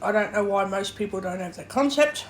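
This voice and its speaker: A woman's voice: medium pitch, fairly quick, a little hiss or hum. A woman chats casually and bluntly while eating, talking with her mouth full of snack food. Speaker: vlogger.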